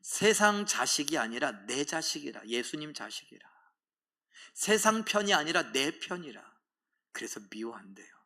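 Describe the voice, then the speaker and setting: A middle-aged male pastor preaching a sermon, swinging between loud emphatic outbursts and hushed, whispered asides. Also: a little high, big pitch swings, moderate pace.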